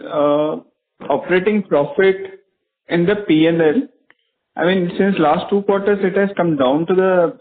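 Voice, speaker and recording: Fairly high man, tinny line. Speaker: analyst asking questions on an earnings call.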